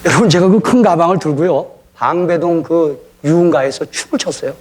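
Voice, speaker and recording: Husky-voiced pastor preaching animatedly. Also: male voice, a little high, fairly quick. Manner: animated storytelling, prompts the congregation to repeat after him. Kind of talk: sermon. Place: church.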